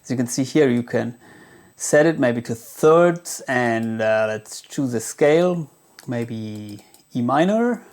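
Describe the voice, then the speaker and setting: Speaking at medium pitch with a somewhat dark tone, this man gets animated while casually walking through guitar gear. His delivery stumbles along with many filled pauses.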